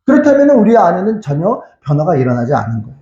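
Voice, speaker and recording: A man's voice: sits high, wildly swooping pitch, fast, warm tone. A male pastor preaching a sermon, asking questions and answering them himself, repeating phrases and crying out hallelujah. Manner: cries out hallelujah again and again. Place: church sanctuary. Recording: echoey, dull church hall recording.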